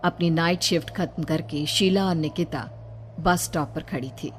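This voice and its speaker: A woman narrates a cartoon horror tale in a brisk, blunt manner with a somewhat low voice. Light music plays faintly beneath her. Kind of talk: scripted cartoon story narration.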